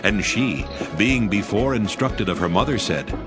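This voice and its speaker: Animated male scripture narrator over music. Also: lowish voice, unhurried.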